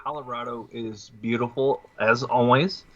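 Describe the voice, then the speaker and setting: A slightly muffled, lo-fi remote recording of a man with a mid-pitched voice. He chats casually and jokes along as a player on a game podcast. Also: steady tone, moderate pace, fairly bright tone. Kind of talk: casual chat.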